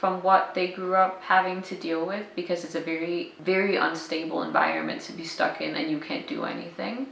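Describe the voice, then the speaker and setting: Delivered at a moderate pace with a Danish accent, the speech carries audible room echo. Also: woman. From Denmark, Jutland (Midwest region). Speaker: travel vlogger. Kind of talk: commentary. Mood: serious, concerned. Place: home room.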